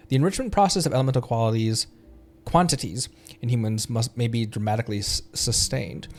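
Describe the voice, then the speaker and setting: Man, medium pitch, live game streamer, halting read-aloud, off-the-cuff commentary. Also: a little mellow.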